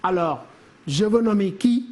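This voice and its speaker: Slow, deliberate woman teaching poetry. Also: medium pitch, animated, darkish tone. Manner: slow, deliberate counting of syllables. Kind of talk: televised French literature lesson.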